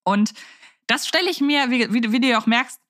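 A woman's voice: on the high side, normal speed, fairly bright tone, no echo, studio quality. A woman hosting a casual fan podcast, talking in an enthusiastic, chatty way. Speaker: podcast host.

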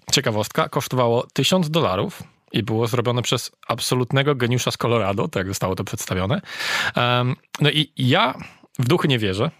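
A man, a travel reporter, chatting in an interview in a relaxed way with hesitant fillers. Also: mid-range voice, dry recording, clean studio sound. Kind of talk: casual interview chat.

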